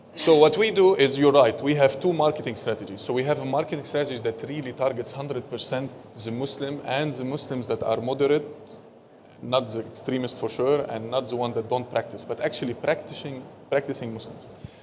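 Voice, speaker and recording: A man talks at a fairly quick pace and medium pitch. His pitch varies in an ordinary way, with noticeable background noise. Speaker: hotel company executive. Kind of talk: panel discussion. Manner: fast.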